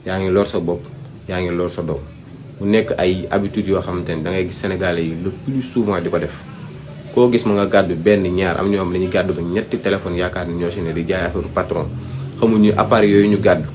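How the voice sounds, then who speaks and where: Low-voiced Senegalese man, emphatic advice talk. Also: noisy background. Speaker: speaker giving health advice. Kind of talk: informal advisory talk, Wolof mixed with French.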